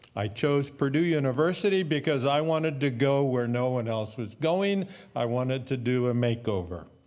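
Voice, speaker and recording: A man of medium pitch with an American accent speaks at a moderate pace and with lively intonation, some room echo audible around him. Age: 80s+. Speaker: retired engineer, church member. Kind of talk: personal reflection.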